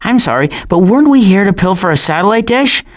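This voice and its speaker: An actor voicing a cautious, worrying turtle in an animated video game, with a dry, hesitant and wry delivery. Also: male voice, sits high, quick pace. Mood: anxious, hesitant. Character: cautious, worrying male cartoon turtle, dryly sarcastic.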